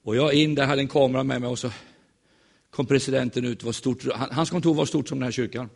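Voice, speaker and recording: A man preaching in a church, telling stories in a lively, joking way and acting out the voices of the people in them. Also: mid-range voice, creaky. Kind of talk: humorous sermon storytelling.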